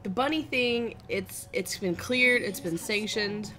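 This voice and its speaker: A woman's voice: mid-range voice, a little slow, over loud music. A woman co-casting a video game match, laughing often and bantering playfully. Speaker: esports caster. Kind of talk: live game commentary.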